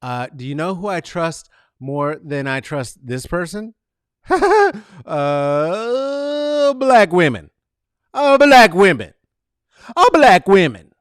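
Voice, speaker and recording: A man hosting a casual comedic monologue, rambling and profane, animated and full of fillers. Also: sits high, slow pace, smooth, no echo, studio quality. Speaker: podcast host.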